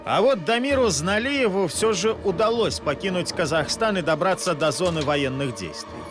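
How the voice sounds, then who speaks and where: A male documentary narrator delivers a scripted report. His voice sits high and moves in animated swings of pitch, over prominent background music. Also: moderate pace.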